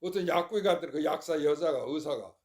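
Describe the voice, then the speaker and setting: An older male monk with a somewhat high voice delivers an informal temple sermon. He keeps it folksy and rhetorical, checking again and again that his listeners have understood. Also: brisk, a little mellow. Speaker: Buddhist monk giving a Dharma talk.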